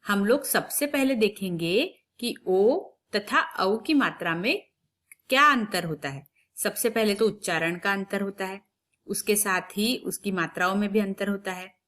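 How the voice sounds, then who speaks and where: A woman teaching young children a recorded lesson, explaining patiently step by step and drawing out sounds slowly for them to repeat. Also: medium pitch, fairly bright tone. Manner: slow, drawn-out drilling of sounds, repeated for children to copy. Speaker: primary school Hindi teacher.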